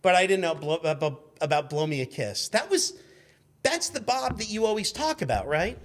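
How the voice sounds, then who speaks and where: Higher-pitched man telling profane stories. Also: moderate pace. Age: 50s. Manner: animated, profane, stumbling as he tells stories. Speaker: guest, former radio show intern. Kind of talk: casual storytelling interview.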